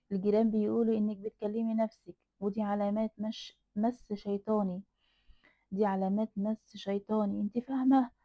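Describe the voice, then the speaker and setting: A woman's voice: mid-range voice, no room sound, close to an everyday voice. Brief: stern Egyptian father, scolding hard, dry tinny phone sound read by a woman storyteller. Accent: Egyptian Arabic. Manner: scolding, harsh. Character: harsh ashamed father, angry and wavering.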